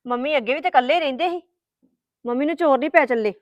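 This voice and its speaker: A woman's voice: sits high, quick pace, no room sound, natural voice. An actress playing a stubborn young wife who argues back at her husband in a family drama. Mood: arguing. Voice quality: argumentative, retorting. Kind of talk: Punjabi family drama acting.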